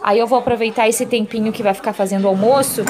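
A woman's voice: a little high, steady tone, fast, a crowd in the background. A woman, chatting casually to her phone camera while cooking and cleaning in her home kitchen, full of tag questions and fond diminutives. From southern Brazil. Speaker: home vlogger. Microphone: handheld phone camera.

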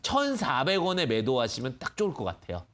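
A man's voice: mid-range voice, wildly swooping pitch, brisk, a bit bright. A man hosting a live phone-in stock show, patiently explaining prices to callers with many fillers. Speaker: stock market expert host.

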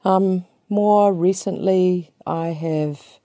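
Nz woman in her 50s, low mellow voice, chatty and jokey about herself, dry studio sound. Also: fairly even intonation, very slow, dry recording. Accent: New Zealand. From New Zealand. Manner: chatty, self-deprecating, light humor with laughs and fillers. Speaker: psychotherapist guest. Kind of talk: relaxed personal introduction. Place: small indoor TV studio.

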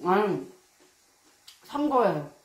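A woman's voice: mid-range voice, big pitch swings, slow pace, echoey room, rough recording. A woman streaming a mukbang, chatting casually with her viewers while her mouth is full of food. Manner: soft, chatty, talks between bites. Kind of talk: casual live-stream chat while eating.

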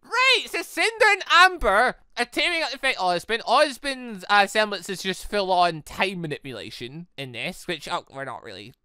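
Lively let's-player thinking aloud. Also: mid-range voice, moderate pace, few pauses, smooth, dry recording. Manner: rambling, thinking aloud while playing. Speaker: gaming video host. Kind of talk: excitable let's play commentary and dialogue read-aloud. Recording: dry close voice over game music. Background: game music.

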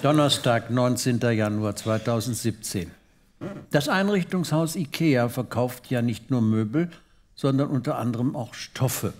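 A man's voice: mid-range voice, expressive, a little slow, slight background noise. A man co-hosting a show, chatting loosely with fillers, then reading funny diary entries aloud with dry comic timing. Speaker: co-host reading comic literature.

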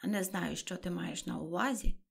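A woman's voice: on the low side, normal speed, gravelly, breathy edge, full character voice. A woman voicing a mournful, wordy sea turtle creature from a storybook, who chants a doleful dancing song. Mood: fussy. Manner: singsong, lamenting.

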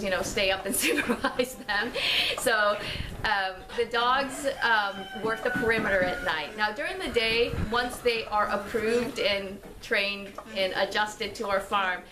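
A friendly woman in her forties talks to the camera outdoors beside an animal pen, speaking casually with plenty of ums and small laughs. Her voice sits in an ordinary middle pitch. Steady outdoor noise runs clearly underneath. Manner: friendly, chatty, many ums, laughs often. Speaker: alpaca farm owner. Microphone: camera at close range.

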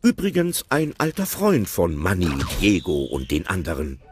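A man narrating an audio play, describing the action in an animated storytelling way. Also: low voice, normal speed, slight background noise.

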